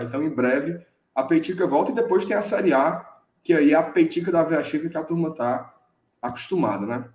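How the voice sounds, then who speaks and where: A chatty man with a Northeastern Brazilian accent from Ceará, hosting a casual live stream. His voice sits a touch high for a man. He reads out viewer names in a friendly, joking way, and the room around him echoes noticeably. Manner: chatty, jokey, greets viewers by name. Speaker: live show co-host and teacher.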